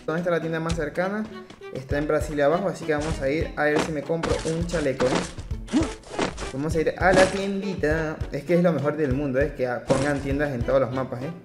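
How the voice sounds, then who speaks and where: A young adult gaming streamer from Venezuela talks through his gameplay in a slightly high, steady, brisk voice with a Venezuelan Spanish accent. Chatty and constantly saying "eh," he hypes his viewers. He's on a headset boom mic in a small home room, with game music playing behind him.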